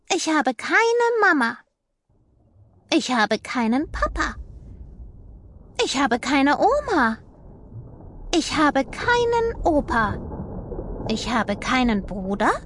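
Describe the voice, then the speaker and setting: A timid little hermit crab who has never had a family, speaking softly, as a woman reading the tale puts him on. His voice sits very high and bright, with a lively lilt and an unhurried pace. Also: exaggerated voice. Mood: wistful. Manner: quiet, soft and gentle. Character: shy lonely male hermit crab.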